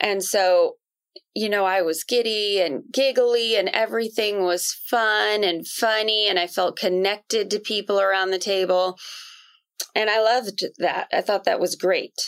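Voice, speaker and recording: A woman with a Californian accent speaks at a fairly slow pace and a medium pitch. Her intonation is fairly even and her loudness very even. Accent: General American (Californian). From California, Bay Area. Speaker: podcast host and author in recovery. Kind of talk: personal testimony in interview.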